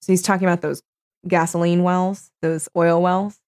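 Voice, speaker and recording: Podcast co-host, woman, lower pitch, loose banter, hams up read-aloud passages. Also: little pitch movement, normal speed, darkish tone. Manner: reads passages aloud with playful emphasis. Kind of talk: casual chat reading from a book. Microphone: studio microphone.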